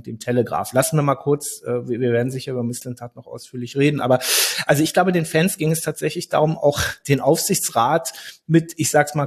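Gravelly-voiced man explaining football. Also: mid-range voice, a little mellow. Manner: explanatory, frequent hesitations and self-corrections. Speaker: podcast guest, football expert. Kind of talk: conversational expert analysis.

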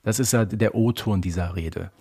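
A man's voice: lowish voice, moderate pace, dark tone, slightly rough. A man co-hosting a podcast, explaining things in a casual conversational style. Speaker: podcast co-host.

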